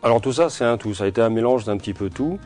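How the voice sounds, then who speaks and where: A man's voice: medium pitch, expressive, rapid-fire, music in the background. A man in his forties, from Portugal, answering interview questions in a hesitant way, with many fillers and restarts. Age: 40s. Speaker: security company owner.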